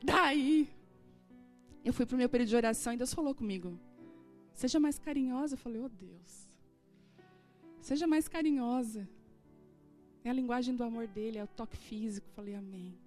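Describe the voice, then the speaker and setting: A woman's voice: a little high, moderate pace, long pauses, soft background music. A woman in her forties, a pastor, preaching a sermon in a church and acting out dialogue as she tells stories. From southern Brazil. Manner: animated storytelling, acting out dialogue. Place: church hall.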